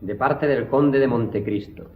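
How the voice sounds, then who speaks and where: An actor playing a formal, polite manservant who speaks ceremoniously in an audio drama. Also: male voice, mid-range voice, lightly acted. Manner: ceremonious, measured. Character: formal, polite liveried manservant delivering messages. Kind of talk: Spanish audio drama acting. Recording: dull, echoey room with faint noise.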